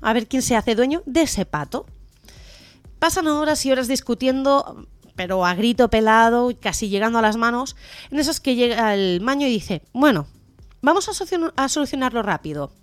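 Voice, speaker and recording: A woman's voice: on the high side, moderate pace, smooth, no room sound, soft background music. A woman co-hosting a radio comedy show, chatty and telling jokes with frequent laughs.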